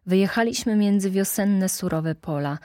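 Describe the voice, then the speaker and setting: A woman narrating an audiobook in a calm, measured way. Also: medium pitch, no echo, studio quality. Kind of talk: audiobook reading.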